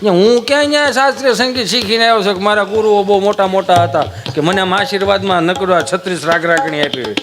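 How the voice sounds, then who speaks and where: Jovial rustic Kathiawadi storyteller. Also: male voice, sits high, quick pace, few pauses. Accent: Kathiawadi Gujarati. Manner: rustic, jovial, breaks into folk song. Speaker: folk storyteller. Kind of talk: live folk comedy storytelling.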